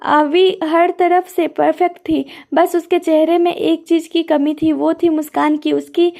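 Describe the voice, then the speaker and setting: Female storyteller: high, flat, gravelly, reads from a script. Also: measured pace. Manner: reads all characters in a near-plain voice. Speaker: narrator.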